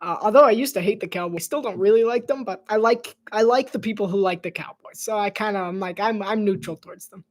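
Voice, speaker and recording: A man giving casual live play-by-play commentary, chatty and rambling, breaking into laughter and dropping to soft whispered asides between plays. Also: high-pitched, fast talker, few pauses.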